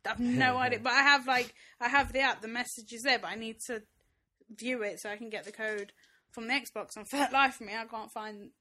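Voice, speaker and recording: A woman's voice: on the high side, steady tone, fairly quick, bright, forceful tone. A woman with a Nottingham accent chatting casually as a podcast co-host. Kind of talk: casual chat.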